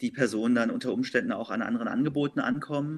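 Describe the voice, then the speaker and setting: A man talking at a fairly quick pace. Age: 30s. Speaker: psychotherapist. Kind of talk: casual interview.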